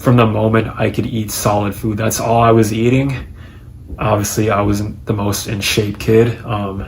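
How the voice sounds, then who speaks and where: A fairly low, monotone male voice at a fairly slow pace, with flat intonation, audible room echo and noticeable background noise. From Taiwan. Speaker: YouTuber. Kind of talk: personal monologue vlog. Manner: hesitant, many fillers.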